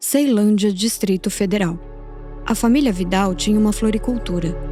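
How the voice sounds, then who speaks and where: A fairly high-pitched woman's voice with ordinary pitch variation, music in the background. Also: moderate pace. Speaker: true crime podcast narrator. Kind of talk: true crime narration.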